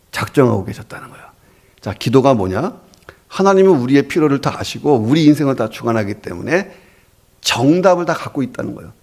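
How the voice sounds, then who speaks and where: A male pastor giving a sermon, telling humorous stories and acting out the voices of his characters. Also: on the high side. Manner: animated storyteller, acts out the voices of his characters.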